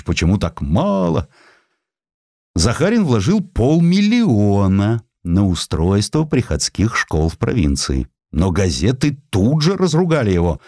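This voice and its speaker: Deep-voiced, expressive male narrator. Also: no echo, studio quality. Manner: theatrical, expressive storytelling. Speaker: audiobook narrator. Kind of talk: dramatized scripted narration of historical essay.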